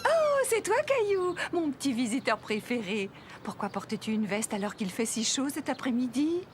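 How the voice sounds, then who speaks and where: A doting, cheerful grandmother from a children's cartoon. Her voice sits high and swings widely in pitch as she reassures, with music behind her. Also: moderate pace. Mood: delighted. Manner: expressive, reassuring. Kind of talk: French-language children's cartoon dialogue.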